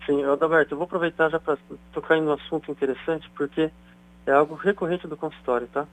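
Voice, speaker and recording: A man's voice: a little high, steady tone, fast talker, faint music behind, poor audio. A man, a doctor, explaining things in a chatty radio interview. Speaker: neurosurgeon guest.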